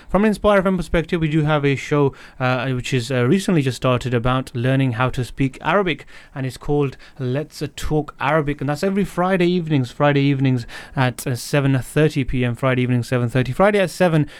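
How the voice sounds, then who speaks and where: Male radio host, mid pitch, smooth resonant voice, dry studio sound, measured and polite. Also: no room sound. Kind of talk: radio interview.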